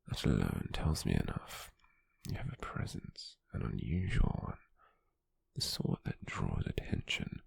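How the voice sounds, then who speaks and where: A British man acting a cold, possessive slave merchant in an ASMR roleplay, speaking formally and condescendingly in a breathy, gravelly half-whisper close to the mic. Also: low voice, no echo, full character voice. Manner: slow, measured, formal, condescending. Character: cold, possessive male slave merchant, controlling yet intrigued captor. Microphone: close microphone, dry.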